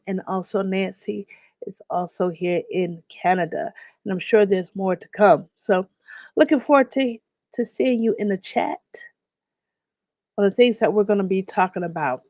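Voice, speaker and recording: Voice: medium pitch, darkish tone, no echo. A livestream host teaches business finance in an easygoing, conversational way and stops to greet viewers in the chat by name. The voice is a little nasal from a lingering cold. The sound is dry and a bit dull and lo-fi. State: getting over a cold, slightly nasal. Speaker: host of a live online business series. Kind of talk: live-streamed business lesson.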